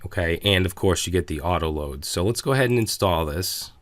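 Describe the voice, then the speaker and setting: A man with a slightly raspy voice giving a relaxed, casual coding tutorial while clicking through his editor, with frequent fillers. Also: low voice, a little fast, no echo.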